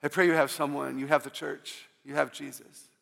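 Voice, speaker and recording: Woman, low voice, gravelly, inspirational church speaker, humorous storytelling, reverberant hall. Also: level tone, normal speed. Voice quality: low voice, often mistaken for a man's. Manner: storytelling, humorous, with audience call-outs.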